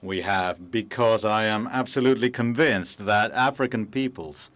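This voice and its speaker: A man working as a simultaneous interpreter for a formal speech, measured and halting with frequent pauses and fillers, into a booth microphone. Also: fairly low pitch, a bit bright. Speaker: conference interpreter.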